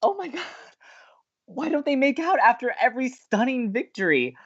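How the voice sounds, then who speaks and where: An actor playing a gleeful, teasing young college radio co-host, bantering with dramatic emphasis. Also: male voice, very high-pitched, very animated, moderate pace, fairly bright tone, dull audio, heavily acted. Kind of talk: bantering audio drama dialogue.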